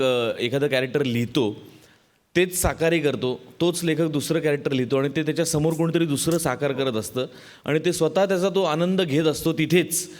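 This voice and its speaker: A man speaking as a show judge, giving measured, appreciative praise. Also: on the high side. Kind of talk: praising commentary.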